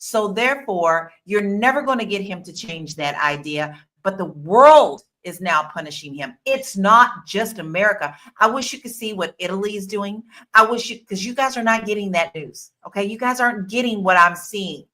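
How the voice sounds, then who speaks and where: A woman's voice: mid-range voice, expressive, normal speed, hardly any pauses, sharp tone. A woman speaking emphatically as a panelist in a casual discussion.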